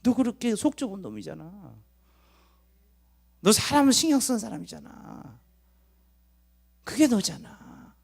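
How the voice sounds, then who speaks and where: A man's voice: high-pitched, sing-song, a little slow, vocal fry, long pauses, breathy edge, voice pushed up, heavily acted. A male pastor voicing God as an amused, teasing deity who chides playfully. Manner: playful, chiding, laughing.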